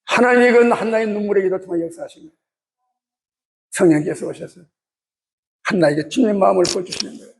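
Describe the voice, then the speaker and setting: High, gravelly-voiced Korean pastor preaching. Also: male voice, fast, long pauses, slight background noise. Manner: impassioned, emphatic preaching with rhetorical questions. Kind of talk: sermon.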